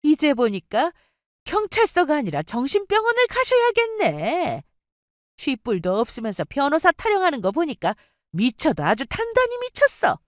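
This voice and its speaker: Woman doing a shrill, vicious mother-in-law. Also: huge pitch swings, normal speed, no echo, studio quality. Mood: mocking, furious. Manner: screeching insults and threats.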